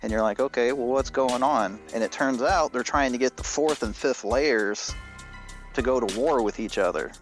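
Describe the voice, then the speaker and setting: A man's voice: medium pitch, moderate pace, soft background music. A man recapping a story as a podcast guest, in a casual, wry way. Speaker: podcast guest, writer and editor.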